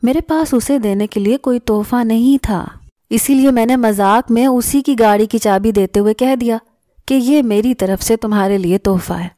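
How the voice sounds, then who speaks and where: A cocky young mechanic husband with a mocking edge, read by a woman narrator. The voice sits dark and mellow, recorded dry and close with no room sound, in the manner of a scripted audio story. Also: fairly high pitch, no echo, lightly acted. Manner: mocking, laughing tone at times.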